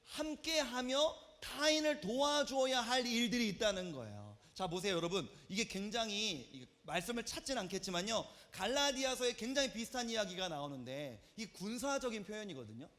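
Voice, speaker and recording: A man in his thirties, a youth pastor, preaching a lively retreat sermon and acting out the people in his stories. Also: sits high, a little fast, few pauses. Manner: animated storytelling, acts out quoted voices. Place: church hall at a youth retreat.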